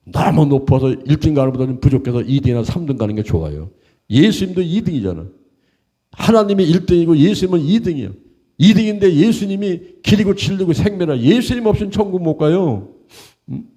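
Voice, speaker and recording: Middle-aged male pastor, folksy animated preacher, slightly high, mellow tone. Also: brisk. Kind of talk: sermon.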